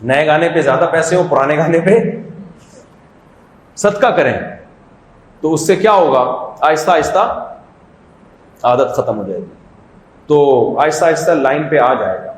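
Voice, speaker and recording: A man delivers an Islamic sermon full of jokes and stories, his voice pitched a little high. He sounds chatty and conversational. The room is echoey, with a faint hum of ambience behind him. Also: expressive, long pauses. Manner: joking, conversational storytelling. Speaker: mufti giving a religious talk.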